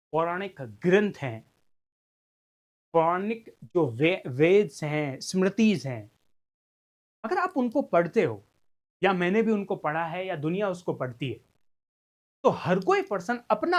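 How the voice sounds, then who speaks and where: Unhurried man lecturing with lively pitch. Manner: conversational, keeps asking students rhetorical questions; mixes English legal terms into Hindi speech. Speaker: law lecturer. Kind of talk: recorded exam-prep lecture.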